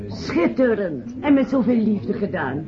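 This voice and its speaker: A woman's voice: mid-range voice, big pitch swings, measured pace, crowd noise. Radio drama: probing, admiring female journalist, dull recording with guests chattering behind. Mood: inquisitive. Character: inquisitive, admiring lady journalist at a party. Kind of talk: Dutch radio play dialogue.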